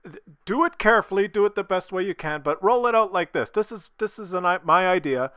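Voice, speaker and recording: A man's voice: high-pitched, expressive, a little fast, pushed and bright, smooth, no room sound, clean studio sound. A man talking casually to his viewers, blunt and opinionated, swearing freely, while losing his voice from a cold. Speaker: gaming video creator.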